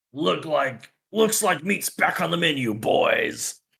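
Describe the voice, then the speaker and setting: Putting on a character voice, a man speaks at a fairly slow pace with a fairly high pitch and a gravelly, raspy sound. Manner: gruff, rough.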